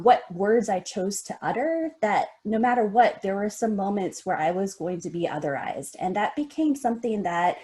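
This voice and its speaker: Middle-aged Midwestern woman, academic guest speaker, earnest personal storytelling over a video call. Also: lowish voice. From Midwest US, Indiana. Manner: warm, earnest storytelling with frequent ums and gentle laughs. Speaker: guest speaker, associate professor. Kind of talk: personal talk in an online seminar.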